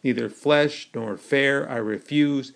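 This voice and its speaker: A man's voice: mid-range voice, slow, gravelly. A man voicing a clockwork metal man who speaks with stiff, formal, eerie politeness. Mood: stiff, courtly. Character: male clockwork metal man, courtly, eerie, coal-hungry.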